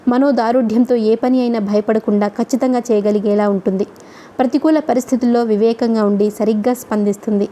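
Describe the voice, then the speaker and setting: Mellow Telugu woman narrating a novel. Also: a little high, slight background noise. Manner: even, measured storytelling. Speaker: audiobook narrator.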